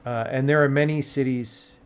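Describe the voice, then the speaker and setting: A man's voice: mid-range voice, steady tone, normal speed, smooth. An American man talking casually on a livestream as a game developer, blunt and sweary, thinking aloud as he explains things to viewers.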